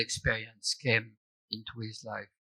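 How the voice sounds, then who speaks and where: Vocal fry marks this man's bright, sharp tone, delivered with a French accent. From France. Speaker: author's brother at book launch. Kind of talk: book discussion with reading aloud. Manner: halting, many fillers.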